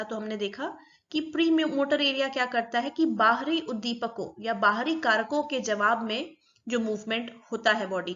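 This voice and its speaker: A woman with a fairly high voice teaches a psychology lecture. She explains patiently, one step at a time, and repeats the key terms. The recording sounds dull and lo-fi. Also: fairly bright tone.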